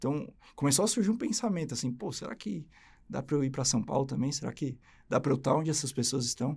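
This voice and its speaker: Talking at a very fast pace, a man uses lively intonation in a fairly high pitch. His voice is somewhat breathy. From southern Santa Catarina, Brazil (Criciúma). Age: 20s. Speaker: medical resident. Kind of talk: podcast interview. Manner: halting, with fillers.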